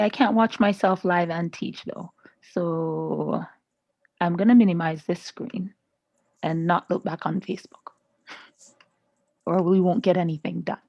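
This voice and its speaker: A woman's voice: mid-range voice, no echo. A woman teaching a live online class, chatty and laughing often with students over a video call. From Canada. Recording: slightly muffled dry video-call audio.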